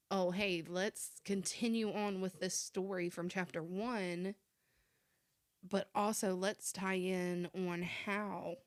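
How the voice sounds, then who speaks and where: A woman's voice: fairly low pitch, no echo, studio quality. A woman co-hosting a podcast, giving casual conversational commentary on movies. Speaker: podcast co-host.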